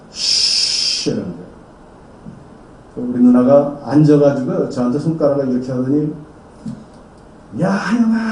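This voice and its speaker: A man's voice: mid-range voice, warm tone, a little hiss or hum. A male pastor giving a dramatic sermon testimony and acting out the voices of the people in his story. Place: church hall. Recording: roomy, distant sound with faint ambience.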